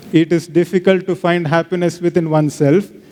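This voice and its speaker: A man in a South Indian accent, dark and mellow in tone. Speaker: motivational speaker, spiritual teacher. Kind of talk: motivational talk.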